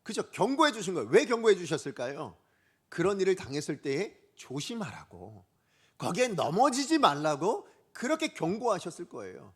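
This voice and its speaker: A man preaching a Sunday sermon as pastor, lively and full of questions to the congregation. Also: high-pitched, normal speed, breathy edge. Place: church sanctuary.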